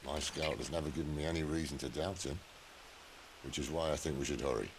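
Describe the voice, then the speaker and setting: Older outlaw leader, British, bass voice, heavy rasp, gruff, dry wit, unhurried, fantasy game. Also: male voice, slight background noise. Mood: wry, measured. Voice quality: gravelly. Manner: wry, unhurried, understated. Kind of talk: fantasy video game voice acting. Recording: music behind the voice.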